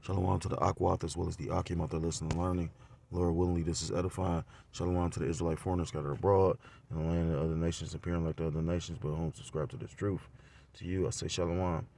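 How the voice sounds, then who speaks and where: A man giving an informal religious lesson on a phone, talking loosely with many fillers and getting louder and more animated as he goes. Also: low voice, fast talker, vocal fry, slight background noise. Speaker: religious teacher.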